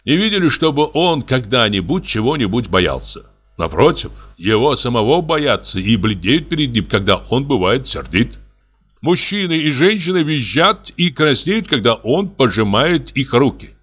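Reading a classic tale aloud as an audiobook narrator, a man performs theatrically, pushing his pitch up and down to stress words. His delivery is sing-song at a moderate pace, with a slightly bright yet husky voice.

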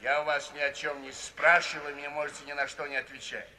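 A blustering, cynical middle-aged aristocrat in a 1950s radio drama. His voice is high and very bright, with a pushy edge. The old recording is reverberant and distant, with faint hiss. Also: little pitch movement, brisk. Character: coarse, cynical rich baronet in his late forties. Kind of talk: 1950s Soviet radio play acting.

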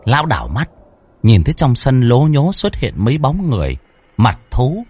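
A man's voice: medium pitch, big pitch swings, normal speed, darkish tone, husky, no echo. A man narrating a ghost story in a dramatic, vivid storytelling manner.

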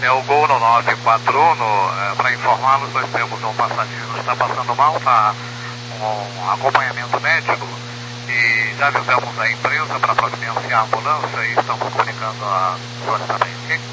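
A man's voice: mid-range voice, a little fast. A Brazilian-accented man talking as an airline pilot over the radio to air traffic control. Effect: aviation radio. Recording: noisy humming aviation radio link.

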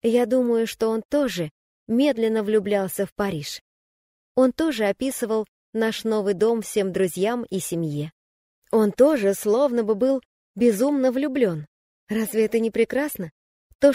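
A woman reading a first-person memoir aloud as an audiobook narrator, in a calm, even and reflective way. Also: on the high side, no echo, studio quality.

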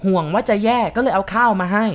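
A woman voicing a lecherous, harsh old man who threatens and shouts in slow, drawn-out words. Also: mid-range voice, pitched above the performer's own voice, natural voice. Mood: menacing.

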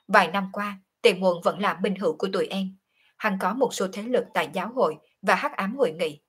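A woman voicing a calm young woman who confides in her lover, in an audiobook reading. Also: mid-range voice, slightly rough.

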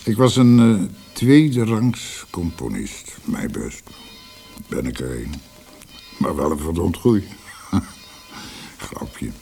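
An actor playing a blunt, jovial middle-aged composer in a radio drama, with a halting, teasing delivery. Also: male voice, deep voice, big pitch swings, creaky, warm tone, soft background music, full character voice. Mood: gruffly boastful.

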